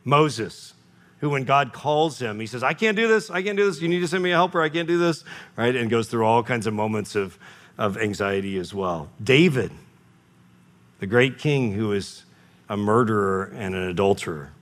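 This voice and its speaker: A man's voice: medium pitch, animated, normal speed. A man preaching a sermon to his congregation in an earnest manner, often restarting and correcting himself mid-sentence. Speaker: pastor.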